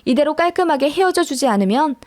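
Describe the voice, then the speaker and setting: A woman reads a true-life story aloud in an expressive narrator's voice. Her voice is high. The recording is close and dry. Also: quick pace, no echo. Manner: expressive, acts out the quarrel.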